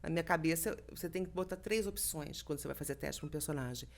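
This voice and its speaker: A middle-aged woman from Brazil talks in a relaxed podcast interview, with a fairly low voice. She tells anecdotes with energy and acts out what people said. She is a voice actress speaking as a guest. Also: quick pace, gravelly. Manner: lively storytelling, acts out quoted dialogue.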